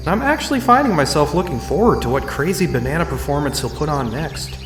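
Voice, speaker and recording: A man's voice: fairly high pitch, animated, fairly quick, natural voice. A man playing a mild, observant young tourist who narrates in the first person in an audio drama. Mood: musing. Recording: roomy echo, clear background music.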